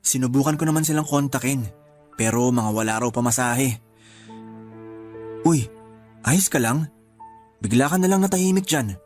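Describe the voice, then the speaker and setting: A man's voice: mid-range voice, moderate pace, pauses often, darkish tone, lightly acted. An actor playing a grieving young man at his uncle's wake in a radio drama. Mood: sad. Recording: faint music under the voice.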